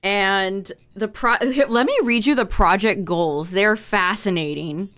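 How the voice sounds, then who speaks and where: Young woman streamer, chatty and casual, voice fraying from overuse, smooth clear tone underneath. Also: medium pitch, slow pace, fairly bright tone, faint music behind. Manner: chatty, reading out notes with asides. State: losing her voice. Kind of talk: casual livestream chat to viewers.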